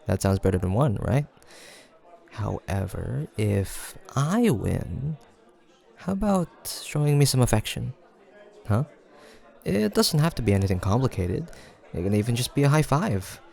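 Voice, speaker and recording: A man acting a playful, creaky-voiced teasing guy friend. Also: mid-range voice, big pitch swings, measured pace, mellow. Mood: flirty, confident. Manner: playful teasing, frequent chuckles, casual banter. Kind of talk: improvised audio roleplay addressed to the listener.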